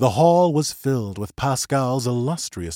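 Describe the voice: The clip is plain reading aloud, carried by lively intonation.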